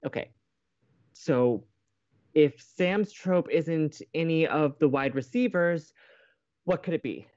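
An actor playing a moody, theatrical young college radio co-host in a romantic comedy podcast, a hopeless romantic. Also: male voice, a little high, takes it slowly, long pauses, a little mellow, lo-fi sound. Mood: distressed, puzzled. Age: young adult.

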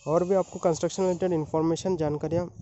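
A man's voice: fairly high pitch, little pitch movement, fast talker, mellow, muffled recording. A young man talking casually through a walking tour of a construction site, mixing Hindi and English with fillers, recorded outdoors on a handheld phone. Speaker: civil engineering vlogger. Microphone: phone held at arm's length.

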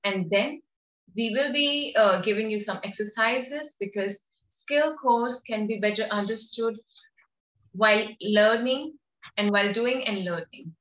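A middle-aged woman with an Indian English accent gives a formal law course lecture from an office, speaking deliberately with hesitant fillers over a shared webcam mic on a video call. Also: medium pitch, fairly bright tone. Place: office, seated at a desk beside a colleague. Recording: roomy, dull video-call audio.

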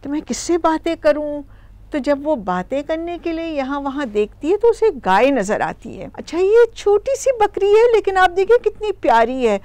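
A woman explaining a poem to children in an expressive storytelling manner, speaking directly to her young listeners. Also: sits high, few pauses, no echo. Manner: animated, warm-toned teaching, addresses children directly.

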